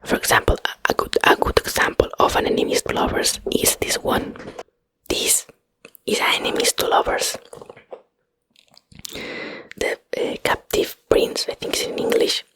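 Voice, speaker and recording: A woman's voice: normal speed, long pauses, a bit bright, dry recording, rough recording. Whispering woman with a Spanish accent. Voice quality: breathy unvoiced whisper. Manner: hesitant, rambling, searching for English words. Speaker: ASMR video host. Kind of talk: whispered ASMR ramble, casual chat. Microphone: close microphone.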